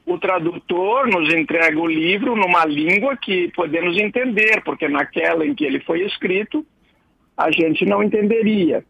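Gravelly high-voiced male radio columnist. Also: moderate pace, dry recording. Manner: digressive, chuckling, lecturing. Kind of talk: casual explanatory radio column. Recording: dull lo-fi radio broadcast.

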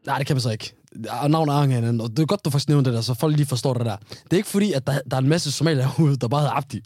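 A man's voice: mid-range voice, darkish tone, dry recording, studio quality. A man in casual podcast chat, telling stories with slang, frequent restarts and laughter. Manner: laughing storyteller, slang-laced, many restarts.

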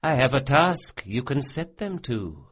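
A man's voice: medium pitch, big pitch swings, a little slow, fairly bright tone, husky, highs cut off, voice pushed up, heavily acted. A man voicing a smug, cruel male sorcerer who sneers and relishes every cruelty. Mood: gloating.

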